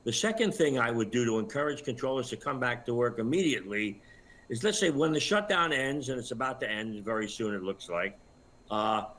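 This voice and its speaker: An older man speaks as an interview guest on a live news program. His delivery is measured and explanatory, with halting phrases as he works through each point. The pitch sits in an ordinary middle range for a man. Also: fairly bright tone, low-quality recording. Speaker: retired air traffic controller, interview guest.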